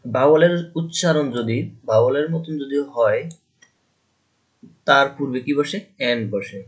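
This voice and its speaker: A man's voice: medium pitch, measured pace. A man from Bangladesh, teaching a grammar lesson to students. He keeps asking questions and answering them himself, and he repeats the key points.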